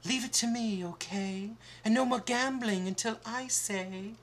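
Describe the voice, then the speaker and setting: A man voicing a young girl, Snow White, in a high falsetto. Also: measured pace. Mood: scheming.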